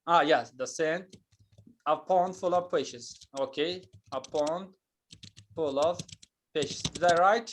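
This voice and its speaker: Patient teacher explaining slowly. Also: male voice, fairly high pitch, a little hiss or hum. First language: not Turkish. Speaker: English teacher. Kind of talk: online English lesson.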